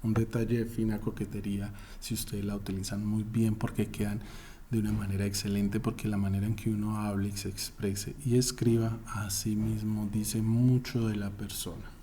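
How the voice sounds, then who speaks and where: Low-voiced man teaching spelling rules. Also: little pitch movement, normal speed, warm tone, slight background noise. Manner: emphatic, spells words out letter by letter. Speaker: Spanish teacher. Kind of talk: online class explanation.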